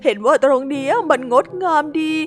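A woman voicing Suzy, a shy, gentle young female hippo who speaks politely and apologizes often, for a children's storybook. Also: sits high, steady tone, a little fast, pitched above the performer's own voice, close to an everyday voice. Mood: flustered. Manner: polite, soft-spoken, apologetic. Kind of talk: storybook role-play.

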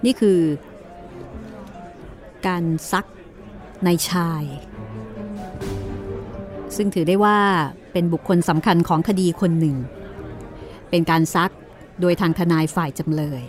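A woman's voice: fairly low pitch, slow pace, long pauses, over music, crowd noise. A woman narrating a courtroom mystery story in a storytelling style.

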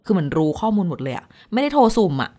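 A woman radio host telling a news story in casual chat, animated when quoting. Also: medium pitch, rapid-fire.

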